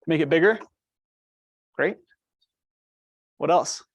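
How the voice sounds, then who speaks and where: Quiet-voiced man leading a workshop. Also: a little high, takes it slowly, no room sound. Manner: quiet, asks the audience questions. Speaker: trainer. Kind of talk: workshop presentation.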